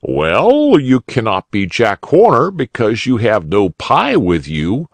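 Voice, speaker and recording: A man voicing a jolly, kindly old rabbit gentleman in a storybook reading. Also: medium pitch, wildly swooping pitch, slow, dry recording, voice pushed up, full character voice.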